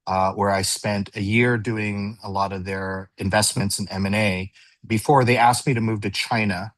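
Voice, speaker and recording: A man in his fifties with an American accent, giving a relaxed, chatty self-introduction on a live online panel with plenty of "uh"s. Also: lowish voice, moderate pace, dry recording. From United States. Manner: relaxed, chatty, hesitant with many fillers. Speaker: venture capital panelist.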